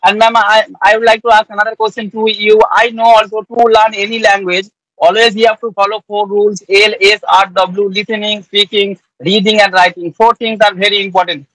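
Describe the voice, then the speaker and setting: A man's voice: sits high, flat delivery, fairly quick, fairly bright tone, no room sound, poor audio. A middle-aged man with an Indian accent hosting an English practice interview, polite and deferential, often saying yes, yes on a video call. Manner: polite, repeats "yes, yes", addresses guest as ma'am. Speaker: host. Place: indoor room by a window. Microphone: video call webcam.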